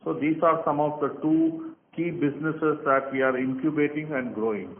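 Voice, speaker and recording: A man with an Indian accent explaining things as a finance chief on an earnings call, measured and formal. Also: on the high side, steady tone. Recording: roomy speakerphone sound, tinny, noisy line.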